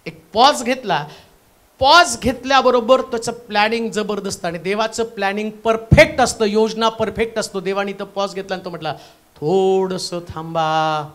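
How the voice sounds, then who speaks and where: A man preaching a Pentecostal sermon in a church, moving between loud calls and hushed asides and repeating the reader's words back. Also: sits high, normal speed. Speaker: pastor.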